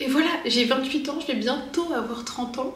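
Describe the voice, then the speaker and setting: A woman talks at a fairly quick pace in a high pitch with ordinary pitch variation. Audible room echo and noticeable background noise are present. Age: 20s. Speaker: lifestyle vlogger. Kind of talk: personal vlog monologue. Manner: casual, conversational.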